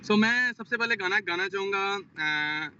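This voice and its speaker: A man with a sore throat, talking in an earnest and eager way as a singing hopeful. His voice sits high and sounds sharp and forward, and he drops English fillers into nearly every line. The remote line is dull and lo-fi with a faint hiss. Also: measured pace. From Pakistan. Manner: earnest, peppered with "like" and English words. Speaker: aspiring singer guest. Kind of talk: casual chat on a TV morning show. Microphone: remote link.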